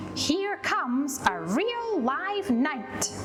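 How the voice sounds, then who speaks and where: Over loud background noise, a woman does a put-on character voice at a high pitch. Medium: read story.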